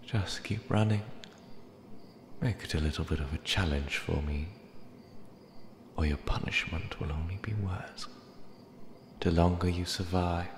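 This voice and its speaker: A man playing a possessive, menacing cat demon in an ASMR roleplay, taunting with mock affection. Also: rumbling low. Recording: echoey hall reverb, clear background noise. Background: ambient sound effects.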